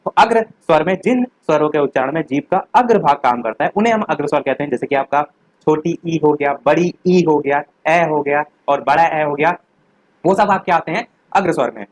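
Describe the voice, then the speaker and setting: Young man, slightly high voice, revision lecture, asks then answers his own questions. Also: lively intonation, a little fast, poor audio. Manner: explains step by step with rhetorical questions. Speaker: teacher.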